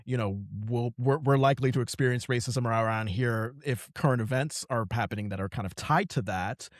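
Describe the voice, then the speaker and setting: A man hosting a podcast, from Connecticut, telling stories in lively, casual conversation with frequent restarts. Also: mid-range voice, brisk, dry recording, studio quality. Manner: animated storytelling, frequent restarts. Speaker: podcast host.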